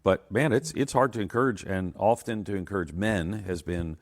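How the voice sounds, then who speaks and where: A middle-aged man hosting a call-in radio show, upbeat and quick, often repeating himself. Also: deep voice. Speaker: radio host.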